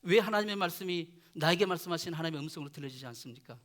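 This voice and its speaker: A male pastor preaching a sermon in earnest, often letting his voice fall soft at the ends of phrases. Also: on the high side, expressive, rapid-fire. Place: church chapel.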